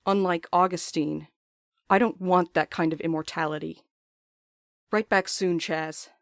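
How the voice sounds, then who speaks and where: An actor as a brooding man voicing his letter in an audio drama. His high-pitched voice delivers a solemn, literary monologue. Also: fairly even intonation, measured pace, creaky, fairly bright tone, dry recording, clean studio sound. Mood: brooding, earnest.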